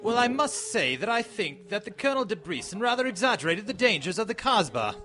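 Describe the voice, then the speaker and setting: An actor playing a bluff, incredulous Victorian gentleman, a detective's companion in a mystery drama, blustering and exclamatory. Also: high-pitched, very animated, a little fast, soft background music, full character voice. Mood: skeptical, amused. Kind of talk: radio-style mystery drama acting.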